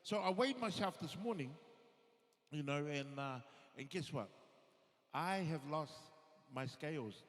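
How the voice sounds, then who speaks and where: A man works a theatre crowd with relaxed, self-mocking stand-up, full of ums and you-knows. His slightly high voice travels through the long reverb of a large hall. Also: a little slow, long pauses. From New Zealand, Samoan family. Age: 50s. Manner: laid-back, self-deprecating, many fillers. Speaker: stand-up comedian. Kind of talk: stand-up comedy set. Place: theatre stage.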